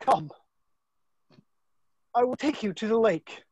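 Man acting an earnest, husky young suitor. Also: sits high, expressive, slow pace, no room sound, heavily acted. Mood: tender, urgent. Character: devoted, urgent young suitor Raoul. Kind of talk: dramatic staged reading.

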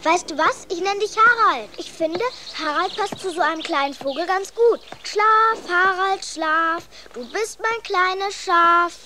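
Maja, a high-voiced little bee. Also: female voice, normal speed, hardly any pauses, noisy background. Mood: tender. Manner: bright, caring, motherly toward the chick. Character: cheerful brave young female bee. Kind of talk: cartoon voice acting. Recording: TV cartoon with background music.

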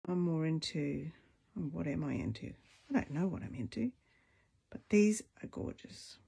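A woman with a deep, raspy voice that is low and gravelly with fry, talking her way through a stamping tutorial. She speaks very slowly and thinks out loud, chatting casually as she works. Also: lively intonation. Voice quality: deep, husky voice. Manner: chatty, thinks aloud while crafting. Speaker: craft video host.

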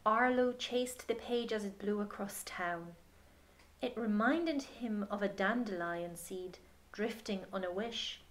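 A woman narrates a children's story at an unhurried, slow pace in a mid-pitched voice. She is expressive and deliberate, softening phrase endings and addressing young listeners directly. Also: slight background noise.

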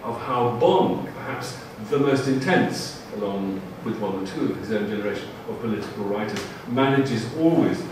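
A man giving a measured, formally phrased panel talk in a lecture room before an audience. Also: fairly low pitch, animated. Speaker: panel speaker. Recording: echoey room, far mic, audible noise.

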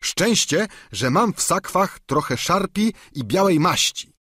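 An eager, simple peasant squire pleads in a raised, excitable voice, as a male narrator puts him on. It sounds husky and swoops widely, recorded dry and close. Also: high-pitched, measured pace, no echo, voice pushed up, exaggerated voice. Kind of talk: audiobook character reading.

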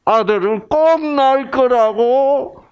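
A male preacher putting on a thankful woman's voice, high and pleading, for a Bible-lecture retelling. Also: takes it slowly, smooth, muffled recording. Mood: grateful. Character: grateful adult woman Sarah.

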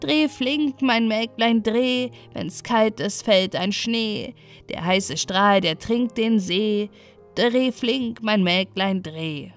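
A woman's voice: medium pitch, takes it slowly, faint music behind. A woman voicing a tiny enchanted male pond dwarf in an earnest, sing-song storybook manner.

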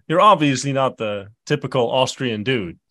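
A man's voice: mid-range voice, expressive, normal speed, fairly bright tone, no room sound. A man hosts a casual interview from a home studio. His voice sits dry and close on a studio mic. He talks loosely, stumbling and restarting as he goes. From Netherlands. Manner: loose, hesitant, many likes and restarts. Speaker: podcast host. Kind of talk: casual video call interview. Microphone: studio mic on boom.

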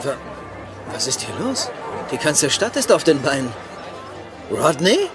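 A man's voice: fairly high pitch, sing-song, unhurried, crowd noise. A man playing a modest, bewildered middle-aged father robot in an audio play, hesitant and humble.

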